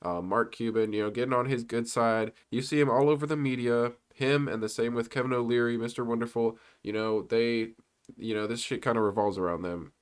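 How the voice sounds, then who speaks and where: A man's voice: mid-range voice, steady tone, brisk, clear, resonant tone. A young man with a congested voice, rambling loosely through stock and crypto slides in a casual commentary. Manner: loose and rambling, with many fillers and restarts. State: congested from a cold.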